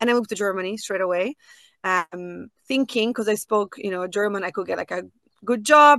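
Bright and sharp in tone, the voice speaks at a fairly quick pace with an Italian accent, in a dry, close sound with no echo over a quiet background. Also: woman, medium pitch for a woman, ordinary pitch variation. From Italy. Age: 30s. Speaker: translation agency founder. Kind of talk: casual interview.

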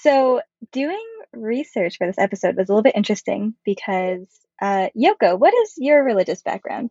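A woman's unremarkable speaking voice, fairly high-pitched, with lively intonation at a moderate pace. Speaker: podcast co-host. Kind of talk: casual podcast interview.

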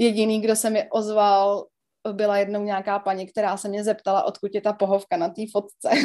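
A woman speaks at a medium pitch and a fairly quick pace, with a dark, mellow tone and fairly even intonation. The background is quiet. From Prague, Czechia. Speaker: architect. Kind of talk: casual chat. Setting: at home.

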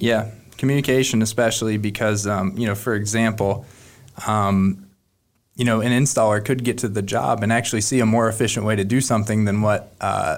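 An ordinary speaking voice moves at a fairly quick pace with fairly even intonation. Its loudness stays very even. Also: man. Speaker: business leader. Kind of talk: casual interview answer. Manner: conversational, rambling, self-deprecating.

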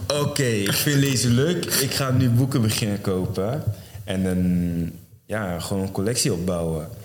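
Fairly low in pitch, a man speaks at a moderate pace with lively intonation, amid noticeable background noise and audible room echo. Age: 20s. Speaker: student and reading promoter. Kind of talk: casual interview.

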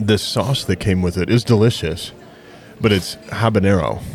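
There is noticeable background noise as a man with an American accent speaks with ordinary pitch variation. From Montana. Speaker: podcast co-host, Army veteran. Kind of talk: casual chat.

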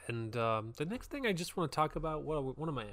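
A man's fairly high voice carries an American accent. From United States. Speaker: podcast host. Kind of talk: solo podcast, casual rambling. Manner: casual, rambling, unscripted.

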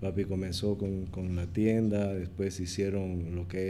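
In a very deep, low pitch, a man talks with a dark, mellow tone and monotone, flat intonation, and the room echo is audible. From Bolivia, Santa Cruz. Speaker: tech company founder and CEO. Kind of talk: interview. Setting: office. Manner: halting.

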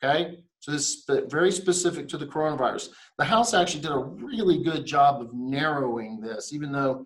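A man talks at a moderate pace with fairly high pitch and ordinary pitch variation. Music plays in the background. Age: 50s. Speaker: human resources expert. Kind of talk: expert interview.

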